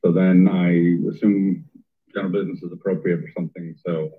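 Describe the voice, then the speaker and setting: A man chairs a council meeting, thinking aloud conversationally with fillers as he talks things through. His deep, husky voice is brisk and level in tone, heard over thin, phone-like meeting audio.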